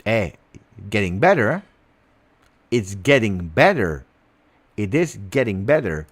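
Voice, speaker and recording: Man, casual streamer, playful, repeats himself, lively pitch, slow unhurried talk. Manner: playful, keeps stopping himself, repeats words. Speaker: football channel host. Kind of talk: casual livestream chat.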